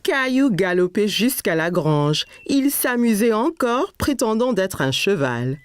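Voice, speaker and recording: A woman's voice: mid-range voice, sing-song, a little slow, clean tone, dry recording. A woman narrator reading a scripted children's story expressively, as if to small children.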